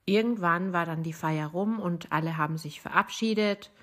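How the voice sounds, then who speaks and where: A middle-aged woman with a raspy, rough-edged voice, hoarse from bronchitis, telling a personal story as a podcast host. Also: fairly low pitch, normal speed, fairly bright tone.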